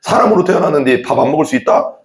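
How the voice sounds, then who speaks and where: A male pastor preaching an animated sermon in a church, acting out quoted prayers and voices. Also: on the high side, racing, vocal fry, echoey room. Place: church sanctuary.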